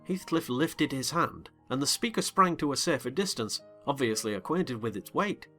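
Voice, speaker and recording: Bright-voiced male narrator. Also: mid-range voice, soft background music. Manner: measured, expressive. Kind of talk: dramatized reading of a classic novel.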